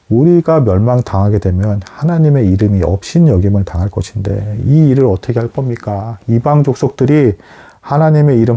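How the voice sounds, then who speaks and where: A man explains a Bible story in a relaxed, conversational teaching talk, leaning on fillers and posing rhetorical questions to his listeners. His voice is very dark and mellow, with a husky, slightly breathy edge. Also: medium pitch.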